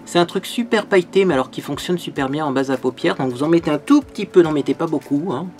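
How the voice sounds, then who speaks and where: Man, beauty vlogger, chatty makeup tutorial, bubbly, fairly high voice, faint music behind. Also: fast, a little mellow. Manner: bubbly, chatty, peppered with "hein".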